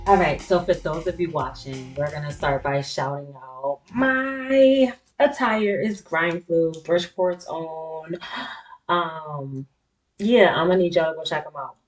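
A woman's voice: low voice, measured pace, soft background music, rough recording. A middle-aged woman with an African American accent hosting a casual, candid monologue in an informal, slangy, conversational way. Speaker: talk show host. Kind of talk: casual personal monologue to an audience.

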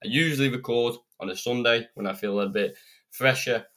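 A young man in his twenties hosting a solo self-improvement podcast, chatting earnestly and a little rambling, sounding slightly croaky and sniffly from a cold, speaking into a podcast microphone. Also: medium pitch, a little fast, fairly bright tone. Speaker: podcast host.

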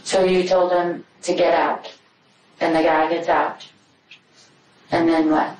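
A woman police detective questioning a suspect calmly, repeating his answers back to probe further. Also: on the low side, slow, a little hiss or hum. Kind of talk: interrogation questioning. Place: interrogation room. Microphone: far room camera. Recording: echoey room from a distant camera.

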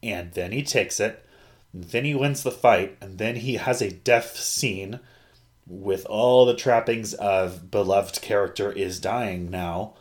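Low-voiced, jokey man in casual podcast chat. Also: takes it slowly. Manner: jokey, rambling, digressive, mildly profane. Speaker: podcast host. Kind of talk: casual chat recapping an anime.

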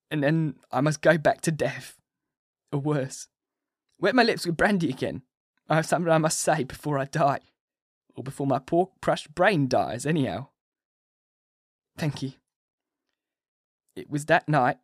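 A man's voice: fairly high pitch, animated, moderate pace, pauses often, dry recording, studio quality, pitched above the performer's own voice. A man voicing a dying male asylum patient who talks in urgent, strained pleading.

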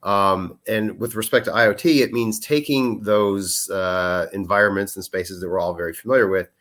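Low-voiced man explaining with hesitant fillers. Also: moderate pace, fairly bright tone. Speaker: guest, product manager. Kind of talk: podcast interview.

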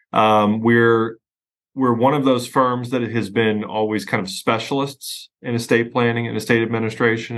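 Low-voiced middle-aged lawyer from Pennsylvania, friendly, explains with restarts. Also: male voice, fairly bright tone. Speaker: estate planning attorney, guest. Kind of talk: podcast interview.

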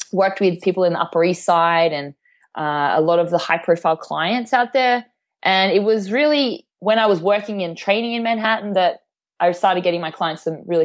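A woman with an Australian accent, a podcast guest chatting in an upbeat way with frequent ums and you knows. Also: fairly low pitch. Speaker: guest, fitness trainer. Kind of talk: casual interview chat.

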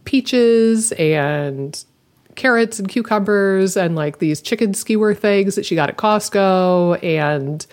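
A woman's voice: medium pitch, slow pace, a little mellow. A woman co-hosting a podcast, talking in a casual, chatty way and filling her sentences with "like.". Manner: chatty, lots of "like" fillers. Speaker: podcast co-host. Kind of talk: casual chat.

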